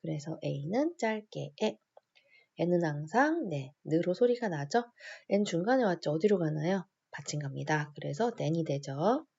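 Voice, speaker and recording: Woman, phonics teacher, low gravelly voice with a husky edge, patient and repetitive, slightly dull lo-fi sound. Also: animated, a little slow, few pauses, a little mellow. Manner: patient, repeats each rule and asks the viewer small questions. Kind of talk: spelling out words step by step for adult learners.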